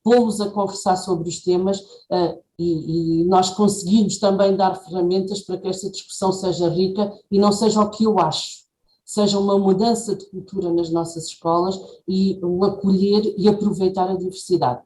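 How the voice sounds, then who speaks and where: A woman's voice: mid-range voice, steady tone, normal speed, dark tone. A woman speaking as a panelist on education in a webinar, with frequent fillers and restarts. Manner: talks with many fillers and restarts. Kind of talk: webinar talk. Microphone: video call. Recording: echoey video call with faint background noise.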